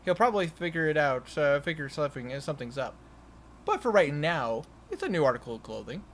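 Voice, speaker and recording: Animated, higher-voiced man running a game. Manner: halting, repeats and restarts phrases. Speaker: game master. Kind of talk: improvised narration of a tabletop game. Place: online voice call. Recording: noisy home voice-chat recording.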